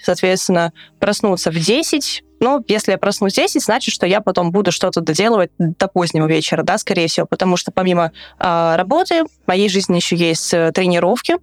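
A woman in her twenties from Russia, talking casually and at length as an interview guest, an animated storyteller in a recording studio. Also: on the low side, a little fast, no echo. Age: 20s. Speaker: interview guest, travel writer and swimming coach.

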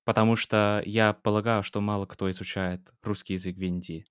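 Co-host: man, English accent, native English speaker, lowish clear voice, dry close sound, encouraging but halting chat. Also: little pitch movement, no echo. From England. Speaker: podcast co-host. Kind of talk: casual interview chat.

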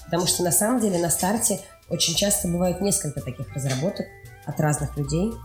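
Low-voiced woman explaining in a roomy space. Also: lively intonation, fast. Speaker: animation studio production executive interviewed as guest. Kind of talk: explanatory interview answers. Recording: roomy echo with faint music behind.

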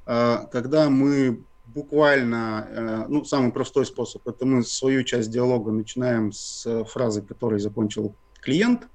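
A man's voice: mid-range voice, vocal fry, darkish tone. A young adult man, a guest in an interview, explaining communication techniques step by step with frequent hesitations and fillers. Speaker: guest expert.

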